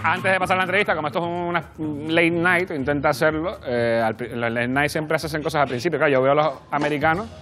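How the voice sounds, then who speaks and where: Flustered late-night host, lively crowd. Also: male voice, a little high, fast talker, hardly any pauses. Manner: flustered, self-deprecating, rambling. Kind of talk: comic late-night monologue. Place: TV studio with a live audience. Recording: studio audience and music.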